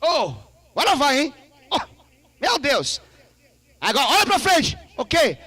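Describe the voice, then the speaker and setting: A pastor with a very high-pitched voice preaches slowly at a church service, speaking with a Brazilian Portuguese accent. He is animated and playful, joking and laughing with the congregation while acting out dialogues with God in shifting voices. There's no echo.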